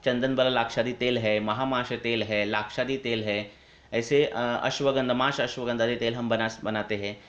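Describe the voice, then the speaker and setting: Male Ayurvedic doctor fielding questions, mid-pitched and measured, halting now and then; heavy echo, muffled call audio. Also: steady tone, a bit bright. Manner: measured, explaining with frequent hesitations. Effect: echoey call audio. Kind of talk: explanatory Q&A on a call. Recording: dull echoey online call audio.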